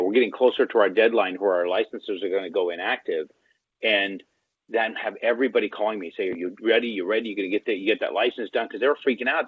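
A husky man with a fairly low pitch is an interview guest telling a story casually, acting out the quoted dialogue in an animated way. The sound is dry and tinny like a phone line, with no echo.

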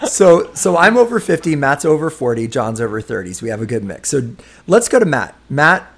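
A man's voice: fairly high pitch, sing-song, fairly quick, husky. Chatty man in his fifties hosting. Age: 50s. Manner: leads the talk, chatty and easygoing. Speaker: podcast host. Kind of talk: casual podcast chat.

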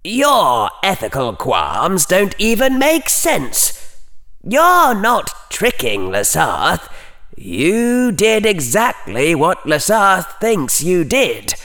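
A man's voice: high-pitched, wildly swooping pitch, very slow, sharp tone, voice pushed up, full character voice. A man voicing the cold, cutting inner voice of a boy, from a narrated story. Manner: icy, cutting.

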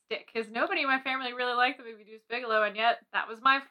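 A young adult woman with an American accent talks casually as a podcast co-host. Her voice is high and clearly bright. She is effusive and prone to giggles, speaking very informally. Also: fairly even intonation, rapid-fire. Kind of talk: casual chat.

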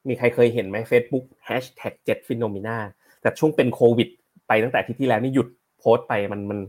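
His mid-range voice is steady and a little mellow, moving at a normal speed. He's the host of a laid-back stock show streamed live, slightly out of breath as he talks with his audience and rambles through the headlines, reading each one out before breaking it down.

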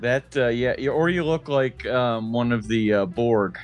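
A man's voice: mid-range voice, fairly even intonation, a little slow, soft background music. A man co-hosting a casual comedy podcast, talking in a sarcastic, exaggerating, profane manner. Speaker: podcast co-host.

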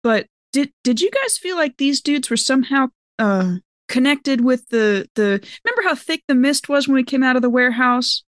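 A woman with a slightly high voice, recorded dry and close. She improvises casually as a player in a tabletop role-playing game, talking in an animated, conversational way and readily jumping in. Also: moderate pace, few pauses, no echo.

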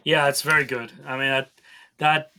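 A man speaking as a podcast guest, explaining in a measured way. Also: medium pitch, steady tone, bright, forceful tone, slight background noise. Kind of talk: conversational discussion.

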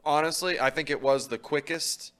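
A man's voice: fairly high pitch, moderate pace, fairly bright tone, smooth. A man co-hosting a casual sports talk show, talking in an easygoing, conversational way. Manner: easygoing, conversational, repeats himself. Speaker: podcast co-host.

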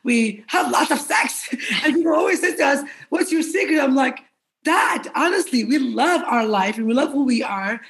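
A woman's voice: sits high, animated, normal speed. Chatty woman podcast co-host. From Iraq. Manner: chatty, open, laughs easily. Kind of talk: casual podcast interview.

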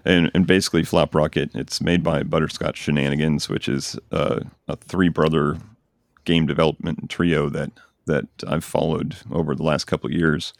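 A man's voice: very deep voice, level tone, moderate pace, gravelly, dry recording, studio quality. A man hosting a podcast, chatting casually and enthusiastically about games he recommends. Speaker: podcast host. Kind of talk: casual chat.

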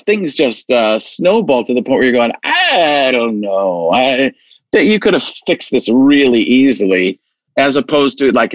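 A man hosting a podcast, telling stories in a rambling, animated way with many restarts. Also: mid-range voice, dry recording. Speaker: podcast host. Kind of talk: casual chat.

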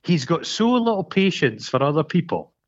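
A man's voice: fairly high pitch, normal speed. A middle-aged Scottish man co-hosting a casual film review chat, retelling scenes with swearing and acted quotes. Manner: animated storyteller, sweary, acts out quotes. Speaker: podcast co-host. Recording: dull lo-fi dry sound.

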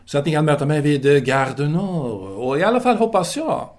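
An actor playing a courteous, restless philosophy teacher of the 1930s in an audio drama, speaking formally with hesitant pauses. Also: male voice, on the high side, big pitch swings, a little mellow. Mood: longing, reflective. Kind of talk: audio drama dialogue, intimate phone conversation.

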